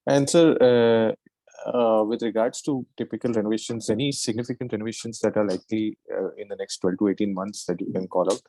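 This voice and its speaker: Low, mellow male analyst. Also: fairly even intonation, a little fast, no echo, poor audio. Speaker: financial analyst. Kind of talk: asking questions on an earnings call.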